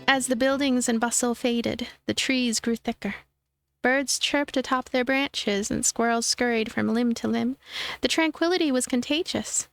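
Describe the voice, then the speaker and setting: High-voiced woman over music. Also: measured pace. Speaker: let's play streamer. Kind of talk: storybook-like narration of a visual novel with casual asides.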